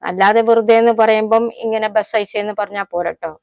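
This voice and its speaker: A woman with a Malayali accent, a native Malayalam speaker, teaching everyday Hindi phrases in a casual lesson, explaining them slowly and repeating each example. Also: mid-range voice, fairly even intonation, vocal fry, smooth, dry recording, lo-fi sound. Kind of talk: casual spoken-language lesson.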